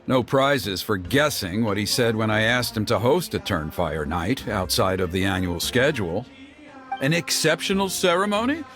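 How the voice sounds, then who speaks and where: An animated, exasperated tribal elder. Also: male voice, fairly low pitch, normal speed. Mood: earnest. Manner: expressive, grumbling, mimics others mockingly. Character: earnest, exasperated tribal elder man organizing a fire ceremony. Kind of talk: video game voice acting. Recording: loud background music over voice. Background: music.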